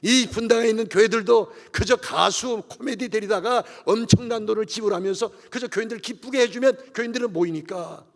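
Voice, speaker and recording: Male pastor, high gravelly voice, impassioned sermon, long church reverb. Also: brisk, few pauses. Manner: impassioned preaching, swings from loud cries to hushed lines. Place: church sanctuary.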